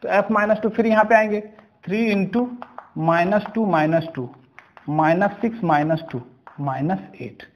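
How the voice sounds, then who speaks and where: A man teaches a maths lesson in speech, moving slowly and stopping to check that his students follow. His voice sits high for a man. The recording sounds muffled and lo-fi. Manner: slow, step-by-step, checks understanding with questions.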